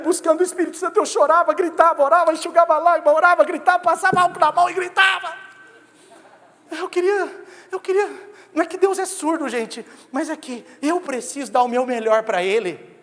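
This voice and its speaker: High-voiced Brazilian pastor, animated and joking. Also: male voice, fairly quick. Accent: Brazilian Portuguese. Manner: humorous, animated storytelling that jokes with the congregation. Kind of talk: sermon. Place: church sanctuary. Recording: long reverb of a church hall.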